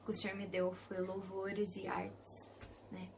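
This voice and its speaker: A young woman with a Brazilian Portuguese accent sharing a personal Christian testimony, soft and intimate, often sinking to a hushed whisper. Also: mid-range voice, monotone, measured pace, a little hiss or hum.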